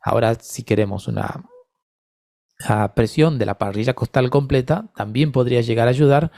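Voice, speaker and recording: A man's voice: mid-range voice, normal speed, a little mellow, no room sound, clean studio sound. A man lecturing in an online course on voice therapy, patiently answering attendees' questions by name.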